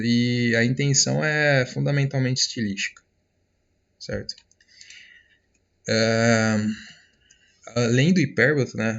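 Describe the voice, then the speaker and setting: A man's voice: on the low side, vocal fry, fairly bright tone, highs cut off. A man with a Brazilian accent teaching an online literature class in a casual lecture style, checking in with his students after almost every phrase. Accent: Brazilian Portuguese. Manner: casual, many fillers and check-ins.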